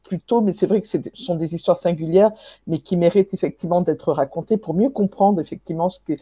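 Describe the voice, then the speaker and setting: A woman's voice: lowish voice, quick pace, warm tone, breathy edge, dry recording, clean studio sound. A woman interviewer asking long, winding questions with restarts.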